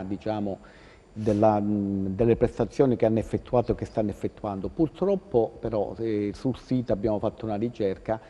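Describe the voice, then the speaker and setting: A man speaks in a low voice through a face mask. He explains things as a studio expert, hesitating and repeating fillers. The sound is dull, with a long hall reverb. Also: warm tone. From Calabria, Italy. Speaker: lawyer, consumer-rights expert guest. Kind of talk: explaining on a call-in talk programme.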